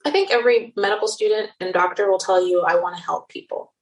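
A cosmetic surgeon in her thirties, from Nigeria and the Netherlands but with a general American accent, answers interview questions earnestly and reflectively. Her medium-pitched voice moves fast, and the recording is rough.

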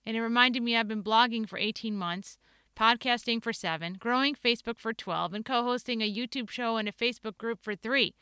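A woman in her forties with a Midwestern American accent talks through her solo podcast in an earnest, playful way. Her voice is sharp and bright, smooth and clean. The recording is dry and close, with little sound of the room. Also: a little high, a little fast, dry recording. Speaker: podcast host.

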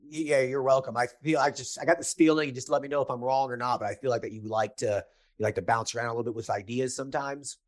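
A man's voice: mid-range voice, steady tone, quick pace. A man in his thirties hosting a podcast, giving casual business coaching in a blunt, emphatic way and repeating his key points.

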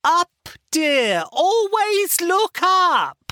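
Camp, plummy, high-pitched thespian. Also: male voice, big pitch swings, bright, forceful tone, dry recording, clean studio sound, heavily acted. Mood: fussy, condescending. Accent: plummy upper-class English. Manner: grandiose, drawn-out, over-dramatic Shakespearean delivery. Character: portly, theatrical, camp melodramatic man.

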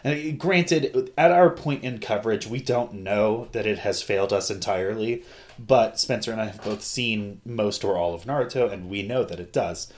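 A man's voice: on the low side, moderate pace. A man hosting a podcast in casual, joking chat, rambling off on tangents with the odd swear word. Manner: jokey, rambling, digressive, mildly profane. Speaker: podcast host. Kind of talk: casual chat recapping an anime.

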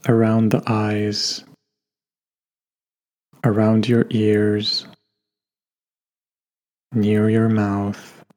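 A man guiding a meditation in a gentle, unhurried way, leaving long pauses between instructions. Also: fairly low pitch, completely flat delivery. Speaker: meditation guide. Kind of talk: guided meditation narration. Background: soft background music.

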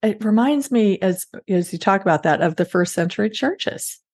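A woman's voice: medium pitch, expressive, normal speed, darkish tone, breathy edge. A woman hosting an interview podcast, chatting in an upbeat, enthusiastic way. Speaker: podcast host. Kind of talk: casual interview chat.

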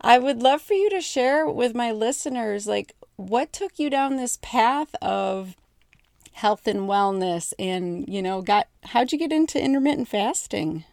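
Upbeat woman podcast host with creaky edges. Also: fairly high pitch, lively intonation, a little slow, darkish tone, no echo, studio quality. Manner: upbeat, enthusiastic, chatty. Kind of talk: podcast introduction and friendly interview. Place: small closet at home.

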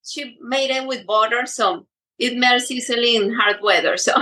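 A woman's voice: fairly high pitch, moderate pace, pushed and bright, rough recording. A middle-aged woman guest speaking in a casual interview, hesitant with many fillers and restarts. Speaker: guest baker.

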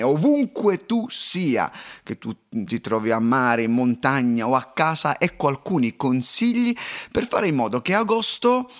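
A man hosting a solo podcast from his home loft, giving tips in a playful, expressive way. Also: mid-range voice. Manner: lively and expressive, playful asides. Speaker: podcast host.

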